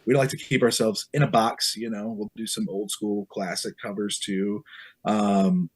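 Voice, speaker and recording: A male musician talking easily as a podcast guest. His voice is low and husky. He speaks in a relaxed, unhurried way. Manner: laid-back, easygoing. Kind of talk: casual interview chat.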